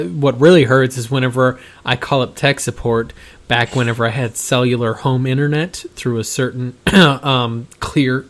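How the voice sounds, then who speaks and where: A man hosts a casual gaming podcast at an easygoing middle pitch. He rambles through anecdotes and laughs often. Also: a bit bright. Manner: rambling, laughs often, acts out quoted people. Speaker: podcast host.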